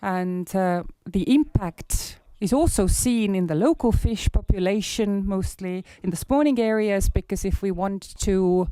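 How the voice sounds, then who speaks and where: A man with an Estonian accent, hoarse today, giving a research presentation in a halting way with many filler sounds. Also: high-pitched, dark tone, no echo. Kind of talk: conference presentation.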